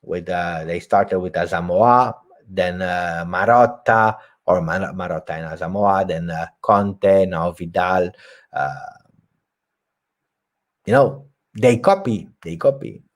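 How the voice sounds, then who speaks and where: A low-voiced man speaks slowly while hosting a live football reaction stream after a match. As the channel's host, he talks emphatically and reads viewers' comments out loud.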